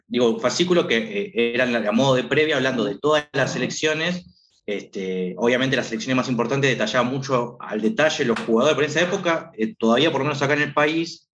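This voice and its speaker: A man in his thirties from Argentina, with an Argentine accent, talking casually as a guest and filling his pauses with "este". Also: mid-range voice. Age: 30s. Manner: rambling, lots of filler "este". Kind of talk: casual chat.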